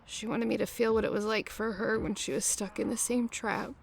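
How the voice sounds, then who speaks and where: A woman's voice: on the high side, level tone, fairly quick, vocal fry, a little hiss or hum. A woman playing a battered, drained magical woman who stays grimly determined, in an audio drama. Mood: weary, determined. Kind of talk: scripted audio drama acting.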